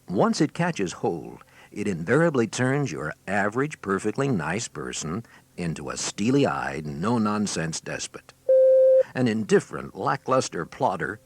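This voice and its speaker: A man narrates a scripted training filmstrip with wry theatrical flair. His lowish voice swoops expressively through the phrases. It comes from a 1980s cassette with heavy noise and clicks. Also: gravelly.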